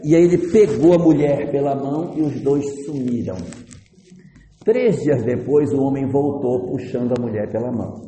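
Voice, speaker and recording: A man's voice: mid-range voice, normal speed, mellow. A man giving a conversational storytelling talk about love. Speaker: lecturer. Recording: echoey hall, faint noise.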